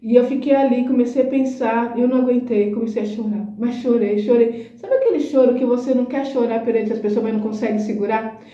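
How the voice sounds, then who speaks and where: A woman's voice: fairly high pitch, fairly even intonation, fast, mellow, distant mic. A middle-aged woman hosting a talk, telling an emotional personal testimony and often adding little tag questions. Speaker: host. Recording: roomy echo, dull lo-fi sound.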